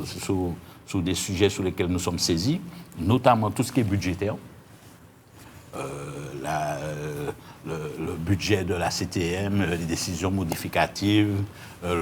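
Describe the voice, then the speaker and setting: A man's voice: deep voice, darkish tone. A man with a Martinican French accent answering interview questions, hesitating and repeating words as he explains. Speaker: interview guest, union leader. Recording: clear background noise.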